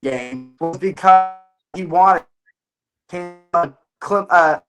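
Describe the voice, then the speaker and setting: A man co-hosting a casual sports podcast over a laggy internet call, his voice cutting in and out as he restarts halting sentences. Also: high voice, flat delivery, fairly bright tone, faint music behind. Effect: voice cutting in and out over a laggy online call. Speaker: podcast co-host. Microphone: remote call over Wi-Fi. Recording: distant, dropping-out internet call audio.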